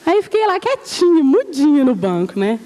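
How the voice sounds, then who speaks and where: A woman's voice: sits high, sing-song, normal speed, dark tone. A woman giving a church testimony, telling her story with animation and acting out the voices of the people she quotes.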